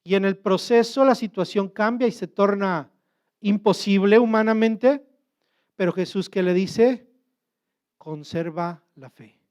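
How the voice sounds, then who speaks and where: A man's voice: high voice, a little slow, darkish tone, clean tone. A man preaching as a pastor, asking questions and answering them himself. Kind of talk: sermon.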